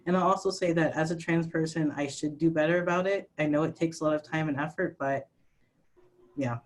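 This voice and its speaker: A trans speaker with a fairly high voice who leads a training and moderates a panel, explaining calmly with frequent "um"s, over a video call. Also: fairly quick, low-quality recording.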